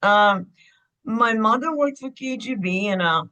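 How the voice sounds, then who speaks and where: A woman speaks as a podcast guest, her voice bright and forward. She tells her story candidly and at an unhurried pace. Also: a little high, poor audio. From Ukraine. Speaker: guest, clinic owner. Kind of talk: podcast interview.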